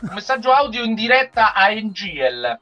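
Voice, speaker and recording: Bright-voiced man hosting a livestream. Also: high-pitched, very animated, normal speed. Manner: joking, chatty. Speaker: host of a group livestream. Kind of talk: casual chat, hosting a watch-along. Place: room at home. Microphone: video call. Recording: dull compressed stream, music behind.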